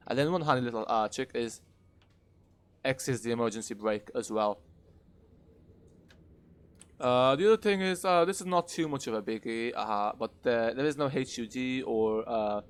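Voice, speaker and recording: A man reviewing a game in unscripted commentary over gameplay, explaining in a measured, hesitant way. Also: medium pitch.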